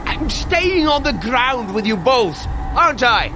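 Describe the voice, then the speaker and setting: Bold thunder god, unhurried and animated. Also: male voice, very high-pitched, noisy background, full character voice. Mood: teasing, breezy. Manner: hearty, formal archaic phrasing. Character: Thor, bold good-natured thunder god, hearty warrior. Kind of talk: scripted audio adventure drama acting.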